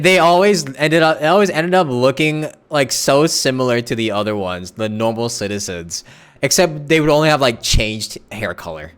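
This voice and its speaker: A man's voice: mid-range voice, a bit bright. A young man commenting casually on a game as he plays, rambling with lots of fillers. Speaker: streamer.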